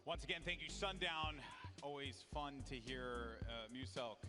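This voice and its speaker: A man's voice: medium pitch, a little slow, music in the background. A man hosting a live esports event from the desk, chatty and laughing, with plenty of fillers.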